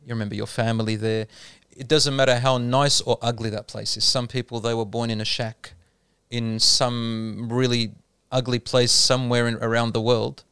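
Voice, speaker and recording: Gravelly, smooth-voiced man explaining. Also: medium pitch, little pitch movement, moderate pace, few pauses, fairly bright tone, no room sound. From Australia. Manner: explains patiently, tells anecdotes, mixes in Arabic terms. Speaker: Islamic speaker. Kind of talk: casual religious discussion.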